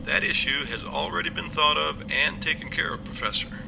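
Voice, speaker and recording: Very gravelly police captain played by a man. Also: a little high, noisy background. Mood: matter-of-fact. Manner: matter-of-fact, explanatory, measured. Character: confident, reassuring male police captain. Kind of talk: amateur audio drama acting.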